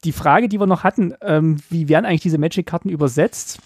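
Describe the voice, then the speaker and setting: A man co-hosting a casual podcast discussion, explaining things quickly in his native German, with lots of filler words. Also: fairly high pitch, husky, no room sound. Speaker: podcast co-host.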